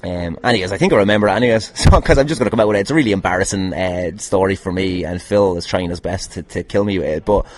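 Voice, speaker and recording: A low-voiced Irish podcast host races along at a quick pace with hardly any pauses. He answers fans' questions through rambling, casual stories, full of jokes, swearing and self-deprecation.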